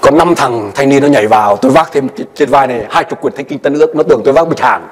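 A male pastor preaching a sermon and telling a personal story with animated delivery, his voice often jumping high for emphasis. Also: fast talker. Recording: long hall reverb.

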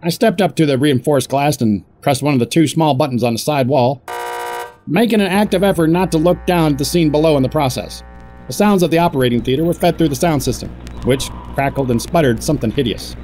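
An actor playing a wry, squeamish middle-aged corporate boss, narrating an audio drama in wordy, pompous style. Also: male voice, on the high side, a little fast, a little mellow, soft background music, natural voice. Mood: fussy, uneasy.

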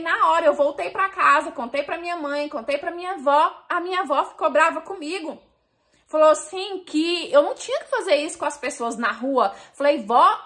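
Emotional woman with a high voice telling a story. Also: fairly bright tone. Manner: emotional, confiding, addresses listeners as "gente". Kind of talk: first-person storytelling.

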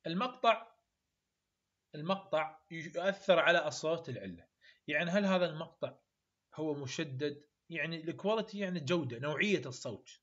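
A man with an Iraqi accent lecturing in a high, bright voice and hammering his points home through repetition. The recording sounds dull and lo-fi. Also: expressive, brisk. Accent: Iraqi Arabic. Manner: repetitive, emphatic, mixes English terms. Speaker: university English tutor. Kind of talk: lecture explaining phonetics.

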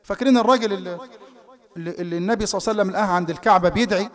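A man with an Egyptian Arabic accent gives a live sermon in a very high voice. He talks fast and tells his stories with animation. He often stops to ask his listeners rhetorical questions. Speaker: preacher. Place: Islamic center hall.

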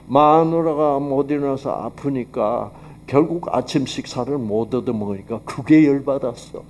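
A man's voice: mid-range voice, moderate pace, darkish tone, a little hiss or hum. A man giving a lecture with Bible teaching at a health seminar, talking conversationally and putting rhetorical questions to his audience. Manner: acts out quoted dialogue.

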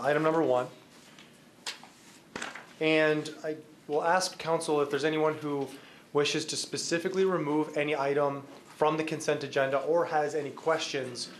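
A middle-aged American man formally chairing a council meeting in a procedural manner. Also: a little high. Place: council chamber. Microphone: desk microphone. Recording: background noise in meeting room.

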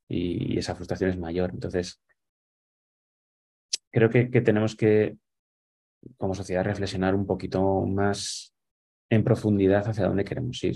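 A man with a deep, gravelly, mellow voice talks casually on a video call as a guest, picked up by his webcam in a small room at home. He explains things thoughtfully, with many fillers and restarts.

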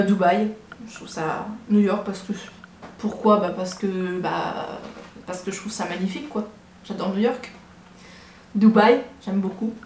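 A woman's mid-range, slightly mellow voice belongs to a Breton vlogger in her early twenties chatting to camera about herself. She's hesitant and rambling, tending to repeat things. The recording comes from a compact tripod-mounted camera about a metre away in her small living room, so there's echo and clearly audible background noise.

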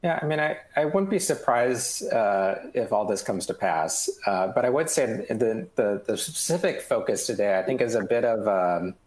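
A man's voice: on the low side, lively intonation, darkish tone, roomy sound. A man in his thirties explaining hardware on a video call panel, hesitant with frequent ums and uhs. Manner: measured, many ums and uhs. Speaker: hardware developer. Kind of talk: technical panel discussion. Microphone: headphones on a video call.

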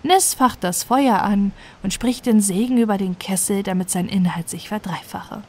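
A woman's voice: medium pitch, normal speed, mellow, slight background noise. A woman narrating a scripted fairy tale as a bedtime audiobook.

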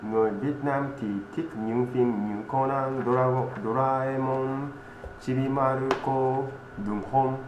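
A man in his thirties, a native Japanese speaker with a Japanese accent, presenting scripted phrases with careful enunciation. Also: mid-range voice. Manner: careful, deliberate enunciation of a learned language. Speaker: presenter of a language channel. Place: indoor room with green screen. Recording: roomy, slightly dull, faint noise.

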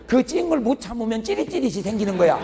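A male pastor giving a humorous revival sermon in a large church hall, animated and chuckling through his lines. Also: very high-pitched.

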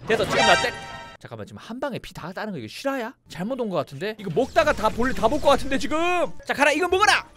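A young man commentating his own gameplay, excitable and teasing, often yelling at enemies on screen. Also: sits high, rapid-fire, music in the background. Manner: excitable, shouts and teases enemies. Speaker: gaming streamer. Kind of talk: let's play commentary.

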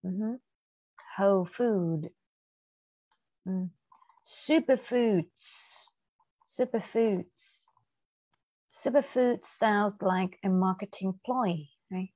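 A woman's voice: mid-range voice, takes it slowly, pauses often, a little mellow, no echo, dull audio. A young woman with a Vietnamese accent teaching an IELTS speaking lesson on a livestream, switching between Vietnamese and English and asking students questions.

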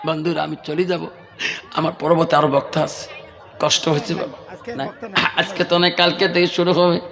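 High-voiced man chanting a sermon with big echo. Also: little pitch movement, gravelly, a bit bright. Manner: chanting, drawn-out melodic delivery with repeated address to listeners. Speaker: preacher. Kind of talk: sung Bengali waz sermon storytelling. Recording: echoey hall reverb through PA.

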